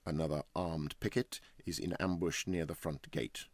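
A man voicing a calm, offhand young man who talks of dreadful things in a careless, deadpan way. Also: a bass voice, normal speed, no echo.

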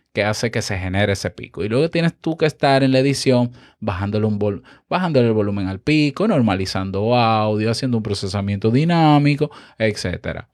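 Male podcast instructor, mid pitch, animated explainer, dead-dry close-mic sound. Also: no echo. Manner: animated, explanatory, checks in with the listener often. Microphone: close studio microphone with compressor.

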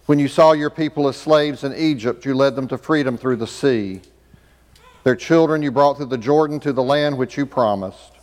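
A male pastor reads a baptism liturgy in a measured, formal manner. His voice sits in a middle register. It rings with a long, cathedral-like reverb from a large church sanctuary. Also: a little mellow. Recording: booming echo of a large church.

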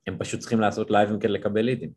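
A man's voice: fairly low pitch, little pitch movement, a little mellow, breathy edge. A man hosting a podcast who keeps cutting in to probe and sharpen his guest's points. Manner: probing, cuts in to sharpen points. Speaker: podcast host. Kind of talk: interview podcast.

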